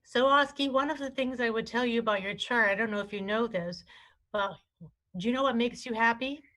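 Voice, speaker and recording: A woman's voice: on the high side, fairly quick, pushed and bright. A woman who co-hosts a wellness show, giving astrology readings to callers in a chatty, affectionate way with frequent restarts. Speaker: astrologer and co-host. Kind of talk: live call-in readings.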